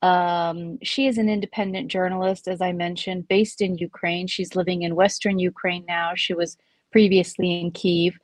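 A woman hosting an interview podcast over a video call, speaking in a measured way with frequent pauses and fillers. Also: fairly low pitch, flat delivery, dry recording. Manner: measured, hesitant with many fillers. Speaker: podcast host.

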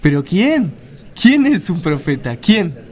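An actor playing a bitter, sarcastic poor young villager in a radio drama, with an Argentine accent. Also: male voice, on the high side, big pitch swings, takes it slowly, darkish tone. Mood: tipsy, mocking. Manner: sarcastic, argumentative, exclamatory. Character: bitter poor young Galilean man, mocking, hard-drinking.

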